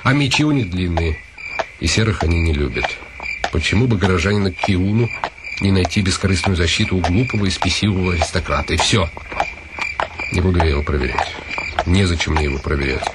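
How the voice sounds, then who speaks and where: A man's voice: sits low, a little fast, heavy background noise, natural voice. A man acting a weary, ironic, brooding nobleman in a radio play, musing to himself and turning imperious with others. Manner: musing, self-questioning, mockingly grand when addressing others. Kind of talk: radio play acting, inner monologue and dialogue.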